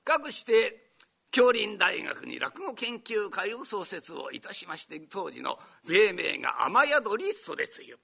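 An older man from Japan giving a formal, theatrical storytelling performance in a hall, breaking into shouted character voices. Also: high voice, sing-song, slow, vocal fry. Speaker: rakugo storyteller.

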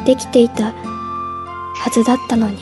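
An actress voicing a timid junior-high schoolgirl, narrating her thoughts softly in a radio drama. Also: steady tone, moderate pace, over music, close to an everyday voice. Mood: withdrawn. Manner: soft inner-monologue narration, hushed at times.

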